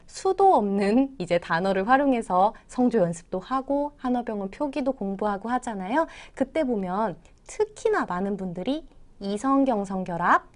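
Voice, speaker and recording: Woman instructor for a video course, animated pitch, warm and encouraging, sweeps her voice through tone examples. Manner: encouraging, demonstrates tones with swooping pitch. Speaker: Chinese language teacher. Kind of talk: online video lesson.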